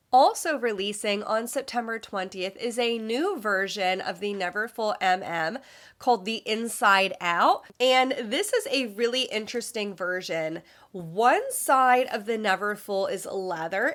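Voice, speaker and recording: A woman's voice: mid-range voice, a bit bright. A woman presenting a luxury fashion vlog in a polished, informative, friendly way, sounding nasal from a cold.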